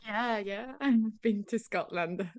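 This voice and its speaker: A woman co-hosting a podcast, chatting casually and relaxed, with filler words. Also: mid-range voice, slow pace, no echo. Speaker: podcast co-host. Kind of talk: casual interview chat.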